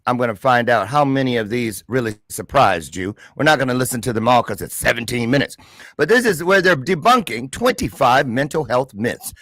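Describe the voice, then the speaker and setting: A man's voice: medium pitch, a bit bright, no echo. A man hosting a casual livestream interview show in an exuberant, playful, slangy way. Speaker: show host.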